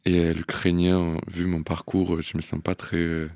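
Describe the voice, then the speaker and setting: A man's voice: low voice, completely flat delivery, moderate pace, a little mellow, no echo, clean studio sound. A man from Ukraine, speaking French as an in a radio interview, hesitant with many fillers and restarts. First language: Russian and Ukrainian. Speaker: interview guest.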